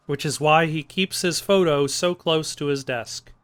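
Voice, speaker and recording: Higher-pitched man doing casual game commentary. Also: unhurried, a bit bright, clear, resonant tone, faint music behind. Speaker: let's play host.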